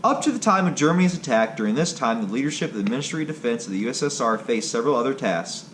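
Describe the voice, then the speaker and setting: A man reading a scripted history narration aloud, somewhat haltingly. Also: mid-range voice, lively intonation, a bit bright. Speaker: video creator and narrator. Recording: clearly noisy background ambience.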